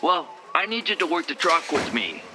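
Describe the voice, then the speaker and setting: A man's voice: fairly high pitch, very animated, moderate pace, background noise. A man voicing a brusque, awkwardly confident working man in his thirties in an audio story. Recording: music clearly behind the voice. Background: music.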